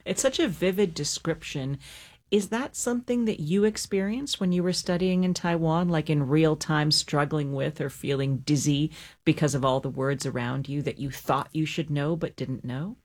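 A woman with a notably low voice hosts an interview. She asks an author curious, attentive questions about her work. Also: moderate pace, a little mellow. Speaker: interview host.

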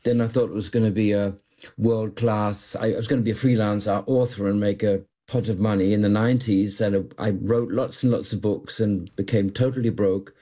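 An older man, born in England and raised in Malaysia, talking as a guest in a relaxed radio interview, self-mocking and full of restarts. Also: on the low side, fairly quick. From grew up in Malaysia, born in England. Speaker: journalist guest.

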